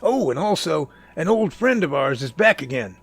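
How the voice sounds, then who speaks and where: A man playing a folksy, excitable professor who leads a search team in an amateur audio drama, with theatrical, old-fashioned phrasing. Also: fairly high pitch, normal speed, vocal fry, full character voice. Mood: friendly, explaining.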